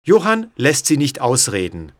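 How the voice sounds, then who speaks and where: A man reading an audiobook story in a clear, measured way. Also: mid-range voice, wildly swooping pitch, fairly bright tone, no echo, clean studio sound. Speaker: narrator. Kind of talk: scripted audiobook narration.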